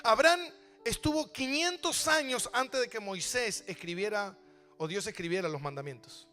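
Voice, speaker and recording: A man's voice: sits high, moderate pace, sharp tone, soft background music. A man pastor preaching a sermon, asking rhetorical questions and repeating phrases for emphasis. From Argentina.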